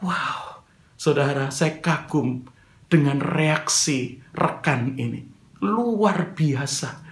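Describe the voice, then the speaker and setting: A man's voice: a little high, very slow, roomy sound. A man preaching a sermon, telling a story to his congregation and acting out the dialogue, often calling his listeners brothers. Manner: addresses listeners as brothers, acts out quoted dialogue.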